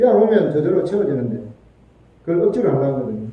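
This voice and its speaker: The speaker has a Gyeongsang accent, with audible room echo. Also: man. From South Korea, Sancheong, South Gyeongsang. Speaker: Buddhist monk. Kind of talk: dharma talk. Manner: conversational.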